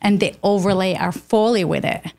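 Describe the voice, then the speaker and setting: A woman's voice: mid-range voice, moderate pace, gravelly, darkish tone. A woman from Morocco, a podcast guest who works as a Foley artist, explaining her work in a friendly, step-by-step way. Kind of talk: casual interview chat.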